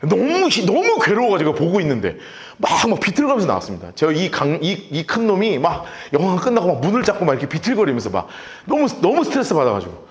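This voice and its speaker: A man's voice: high-pitched, wildly swooping pitch, fast. A man preaching a sermon as pastor, telling the story dramatically and speaking directly to the children in the room.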